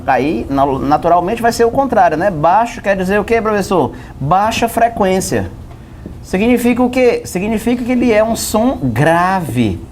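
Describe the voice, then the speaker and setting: A man's voice: a little mellow, a little hiss or hum. A man giving a joking physics lesson, playfully asking and answering his own questions. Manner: playful, talks to himself in both roles, swings pitch for effect. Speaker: physics teacher.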